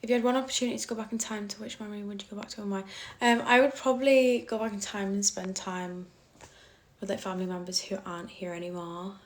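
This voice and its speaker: A woman's voice: mid-range voice, steady tone, fast. A young woman with a Cumbrian accent, chatting casually on a phone live stream, reading out comments and bluntly brushing off trolls. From Cumbria, England. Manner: blunt, dismissive toward trolls, laughs easily.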